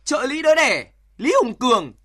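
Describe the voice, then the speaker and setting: An actor playing a young soldier who talks in a rushed, stammering way as he helps deliver a baby. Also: very high-pitched, sing-song, sharp tone, heavily acted. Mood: proud. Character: young male soldier, panicky and jokey helper. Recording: clear music behind. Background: music.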